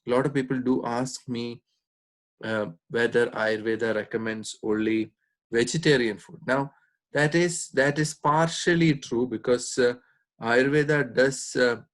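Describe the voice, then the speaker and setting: A man giving an informal explanatory talk as a doctor, speaking in a measured, hesitant way with frequent pauses. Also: mid-range voice, fairly bright tone.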